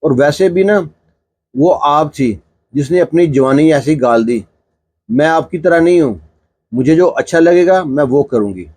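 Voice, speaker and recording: Brash cheeky village girl, a guy doing her in a storytelling voice, kinda husky and a bit high. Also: darkish tone, close to an everyday voice. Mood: brazen. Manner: blunt, brazen, teasing. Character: bold headstrong teenage village girl.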